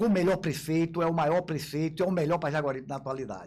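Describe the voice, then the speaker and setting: This man's voice sits fairly high for a man and carries vocal fry. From Bahia, Brazil. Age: 60s. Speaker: politician, vice-mayoral candidate. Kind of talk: podcast interview.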